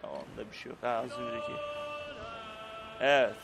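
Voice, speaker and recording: A man commenting casually on his gameplay, playfully arguing with the game's characters and swinging from muttering to loud outbursts. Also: medium pitch, fairly even intonation, moderate pace, vocal fry, background noise. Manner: playful, talks to game characters in mock indignation. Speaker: gaming YouTuber.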